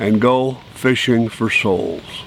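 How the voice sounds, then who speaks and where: A man's voice with fairly even intonation, audible room echo and noticeable background noise. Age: 70s. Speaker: evangelist. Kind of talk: testimony. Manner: halting.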